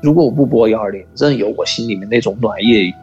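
A man calling in to tell a personal ghost story, talking in a halting, earnest way and often repeating words. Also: lowish voice, a little mellow, dull audio, faint music behind. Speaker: caller.

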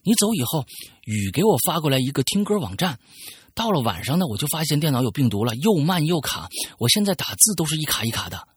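Man doing a bubbly girl, worried and complaining, pitched up, quick. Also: sing-song, breathy edge, dry recording, studio quality, full character voice. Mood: fretful. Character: anxious, cheerful young girl.

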